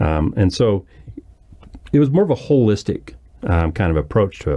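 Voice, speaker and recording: A man with a Western US accent speaks in a dark, mellow tone, his pitch swinging very widely. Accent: American, Western US. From Utah. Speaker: nonprofit housing executive. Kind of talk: interview conversation.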